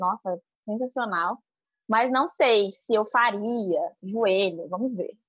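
A very slow, fairly high female voice with lively intonation. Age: 20s. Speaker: medical student. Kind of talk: interview.

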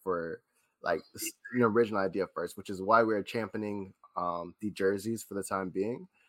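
On a very clean recording with a silent background, a man with an American accent and a plain, everyday voice speaks at a moderate pace in a fairly low pitch, his intonation fairly even. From Ohio and Texas (US), Ghanaian heritage. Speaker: fashion brand founder. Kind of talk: podcast interview.

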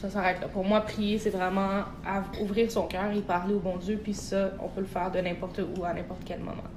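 The speech moves at a fairly quick pace in a flat monotone. There is audible room echo and noticeable background noise. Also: woman, medium pitch for a woman. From Quebec, Montreal. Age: 30s. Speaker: guest sharing personal story. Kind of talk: casual chat.

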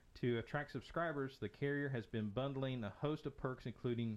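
A man's normal speaking voice with an American accent, at a medium pitch and moderate pace, with ordinary pitch variation. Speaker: tech expert co-host. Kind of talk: casual chat. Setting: studio.

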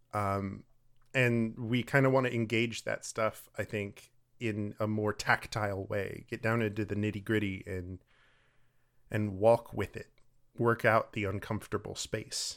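A man with an American accent speaks in a relaxed tone at a fairly low pitch. His pace is fairly slow. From East Texas (Marshall, near Louisiana). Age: 20s. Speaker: podcast co-host, seminary-trained chaplain. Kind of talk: casual theology discussion podcast. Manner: laughs often, relaxed, hesitant fillers.

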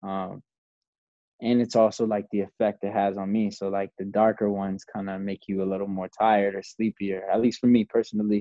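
A man's fairly low voice, monotone and flat in intonation, at a fairly quick pace. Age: 20s. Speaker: fitness instructor. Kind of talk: casual chat.

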